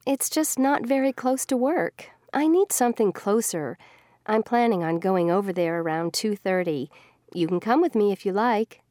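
An actress plays a woman in a friendly scripted conversation. Her voice is mellow and mid-pitched, clearly spoken, with a dry, close sound. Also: animated, normal speed, no room sound, close to an everyday voice. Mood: casual, friendly. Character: woman chatting casually with a friend. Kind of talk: scripted dialogue for listening test.

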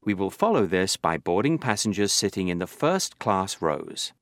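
A man's voice: low voice, sing-song, normal speed, a bit bright, no room sound, clean studio sound, full character voice. A man playing an airline gate agent, giving a formal, scripted airport announcement to passengers. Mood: formal, instructive. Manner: formal, clearly addressing passengers.

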